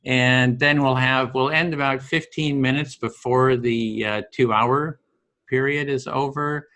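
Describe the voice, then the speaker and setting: A man with a mid-pitched voice opens an online group session. He lays out the plan in an organized, steady way with a few filler words. He is heard through a video call. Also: unhurried. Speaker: facilitator of an online empathy circle. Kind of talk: casual meeting facilitation.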